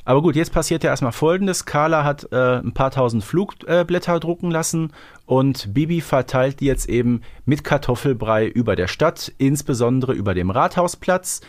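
A man's voice: mid-range voice, expressive, moderate pace. A man co-hosting a podcast, chatting casually and retelling a story, often ending on tag questions. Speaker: podcast co-host.

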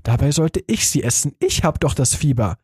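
A man voicing a feverish sick youth who speaks slowly and keeps repeating himself, in an audiobook reading. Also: a little high, sing-song, darkish tone, breathy edge, no echo, studio quality. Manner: slow, dazed, repeating himself. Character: feverish sick young man, dazed and fixated.

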